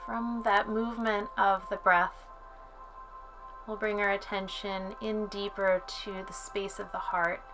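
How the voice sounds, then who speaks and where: A woman guides a relaxation practice in a calm, soothing voice at a medium pitch. She speaks very slowly, leaving long pauses between phrases as a yoga instructor would. Music plays clearly behind her. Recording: soft music under the voice.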